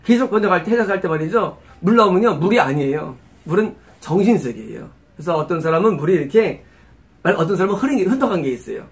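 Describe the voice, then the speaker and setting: A middle-aged man with a high voice gives an expository sermon as pastor. He walks the congregation through the text, peppering it with rhetorical questions and repeating key phrases. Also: expressive, quick pace. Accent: Korean-accented English words.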